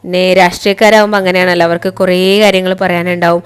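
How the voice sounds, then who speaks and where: In a lowish, smooth voice with little pitch movement, the Kerala-accented vlogger and college teacher speaks very fast. Chatting casually in Malayalam mixed with English, she often drops tag words aimed at her viewers.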